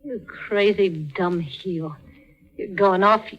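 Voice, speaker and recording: An actress playing a fed-up, sarcastic, scheming wife of a small-time hood in 1940s radio drama, with slangy working-class speech. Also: female voice, mid-range voice, slow, lo-fi sound. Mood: scornful. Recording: 1940s radio recording with music.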